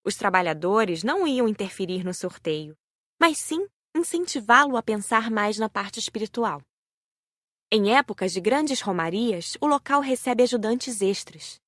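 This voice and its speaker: A woman's voice: mid-range voice, lively intonation, fairly bright tone, dry recording. Brazilian woman narrating, dry and close. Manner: measured storytelling. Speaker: audiobook narrator. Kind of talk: scripted narration.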